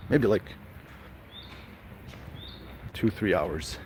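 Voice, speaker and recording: A very low-pitched man chats casually with his live-stream viewers. He talks slowly and haltingly, stopping often for fillers and restarts. Faint ambient sound sits behind him. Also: animated, a little hiss or hum. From Serbia.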